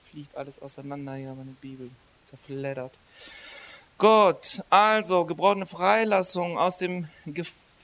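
A man preaching a sermon in a lively, conversational way, swinging between loud emphasis and quiet asides. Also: a little high.

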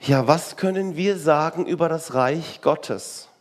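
A man's voice: on the high side, unhurried. A man preaching a sermon in a conversational way, full of rhetorical questions and wry asides.

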